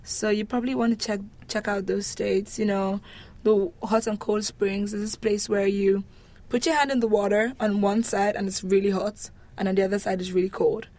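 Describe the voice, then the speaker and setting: A woman from Nigeria speaks candidly and informally as an interview guest, animated and given to emphatic repetition. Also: mid-range voice, normal speed. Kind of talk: casual conversational interview.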